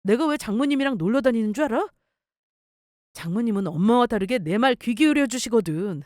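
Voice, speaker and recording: A woman's voice: on the high side, animated, a little fast, a little mellow, no room sound, studio quality, lightly acted. A woman voicing a frustrated young husband who argues defensively with his mother in a story radio drama. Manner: exasperated, pleading, defensive.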